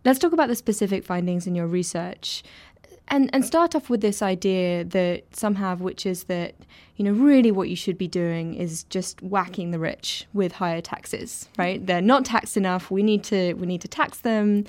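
A woman's voice: medium pitch, moderate pace, a little mellow. A woman presenter who describes her surroundings as she walks, then asks conversational interview questions.

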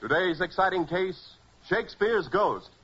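1940s American radio announcer, male: forceful, animated, polished sales delivery, slightly husky edge, dull vintage sound. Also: high-pitched, a little slow, soft background music. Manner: dramatic, emphatic, polished salesmanship. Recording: muffled 1940s radio recording.

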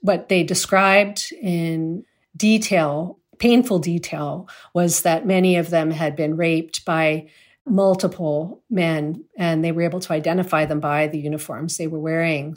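A woman speaking earnestly and plainly in an interview. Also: low-pitched. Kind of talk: conversational interview.

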